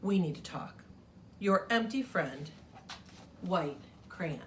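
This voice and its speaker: An overlooked white crayon muses on feeling empty, as a woman reads it aloud. Slow and wistful, with a lively pitch. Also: a little hiss or hum.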